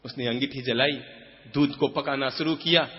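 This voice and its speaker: A man's voice: steady tone, moderate pace. Man preaching a dramatic sermon in a hall. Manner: dramatic, acts out story characters with rising pitch. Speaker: Jain preacher. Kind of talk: sermon with storytelling. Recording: dull lo-fi recording in a reverberant hall.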